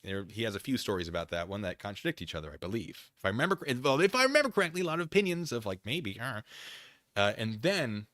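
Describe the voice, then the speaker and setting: Bright-voiced man chatting casually on a livestream. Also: on the low side, very animated, fast talker, no echo, clean studio sound. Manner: self-deprecating, playful asides. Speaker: livestream host and commentator. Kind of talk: casual rambling livestream commentary, chatting with viewers.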